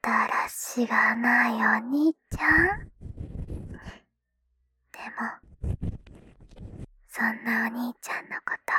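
Actress as a doting, teasing schoolgirl sister in an ASMR roleplay; slow, bright, airy whispering. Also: on the high side, slight background noise. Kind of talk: ASMR roleplay with ear cleaning.

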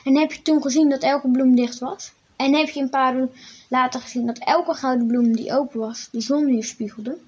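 A woman reads a children's Bible story aloud in a plain storytelling voice, then speaks directly to the young listeners. Her voice sits high. The recording sounds dull and lo-fi. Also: fairly even intonation, moderate pace, a little mellow, husky.

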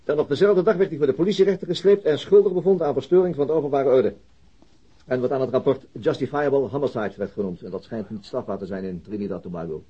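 A man's voice: medium pitch, quick pace, husky, lo-fi sound, natural voice. A man playing a sober, middle-aged police detective in a naturalistic radio drama, matter-of-fact and guarded. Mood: dry, narrating.

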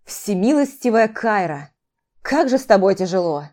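A woman's voice: mid-range voice, moderate pace, dark tone, lightly acted. A woman voicing a male demon mentor who whines, pleads and plays to an imagined crowd in an audiobook. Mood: whining. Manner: whining, pleading, theatrical. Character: whiny theatrical male demon mentor, ageless.

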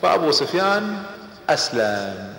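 A man's voice: fairly high pitch, big pitch swings, moderate pace, gravelly, a bit bright, a little hiss or hum. A man giving a storytelling religious lecture, dramatically acting out the dialogue. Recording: echoey hall reverb.

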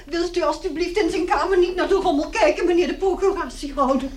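A woman's voice: extremely high pitch, fast. A woman playing a middle-aged, fretful and pious mother in a radio drama, flustered and apologetic. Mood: flustered politeness. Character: fretful, pious, anxious mother eager to please.

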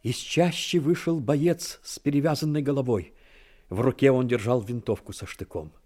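A male narrator with a mid-pitched voice tells a war story. His delivery is solemn, scripted and dramatic, like literary storytelling in a radio play. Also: moderate pace, dark tone.

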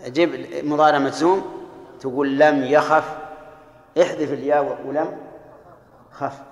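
A man's voice: on the high side, fairly even intonation, moderate pace, muffled recording. A man teaching a grammar lesson, explaining step by step and quizzing his students. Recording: echoey hall with long reverb.

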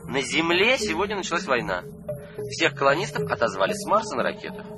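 A man's voice: a little high, sing-song, brisk. An actor playing a cocky, cruel twenty-year-old man in a radio drama, mocking and breezy in manner. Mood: breezy, self-satisfied. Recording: background music under the voice.

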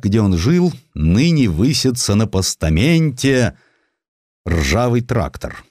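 Deep-voiced man narrating history, very expressive. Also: dry recording, clean studio sound. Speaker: audiobook narrator.

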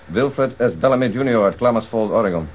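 An actor playing an observant, methodical detective who explains precisely, in a Dutch radio drama. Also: male voice, on the low side, expressive, brisk, a little mellow, breathy edge. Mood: matter-of-fact.

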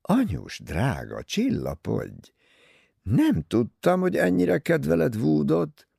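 A man voicing a teasing, easygoing young English gentleman talking with his mother in an audiobook. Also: a little high, wildly swooping pitch, gravelly, slightly rough, no echo, clean studio sound, voice pushed up, heavily acted. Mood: wry teasing. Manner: wry, teasing.

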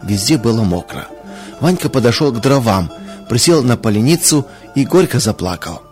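A man narrating a Christian children's story in a calm, measured way. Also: mid-range voice, soft background music.

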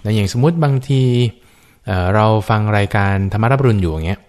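Brief: male monk guest on a radio Dhamma show, fairly low voice, patient and explanatory, peppered with soft fillers. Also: lively intonation, fast talker. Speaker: Buddhist monk. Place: radio studio.

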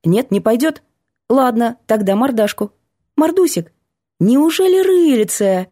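A cheeky, bookish girl student with a raised, chirpy voice, quick to tease and to protest, as a woman reading an audiobook puts her on. The sound is dry and close, with a mellow tone. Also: a little high, lively intonation, husky, no echo, pitched above the performer's own voice. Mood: teasing. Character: bookish stubborn cheeky young female student. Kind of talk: audiobook character voice.

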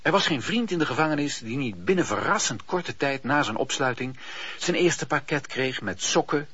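A man narrating a historical radio drama in a measured, wry, literary storytelling manner. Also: medium pitch, animated, bright, forceful tone, husky, no echo. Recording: muffled lo-fi radio drama recording.

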